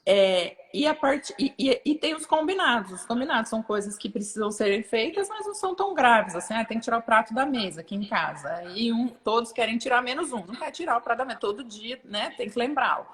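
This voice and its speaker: Guest, woman, rapid-fire delivery, slightly high voice, explanatory. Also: animated. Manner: rapid explanatory talk, acts out parent and child voices. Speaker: guest expert. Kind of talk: casual interview chat.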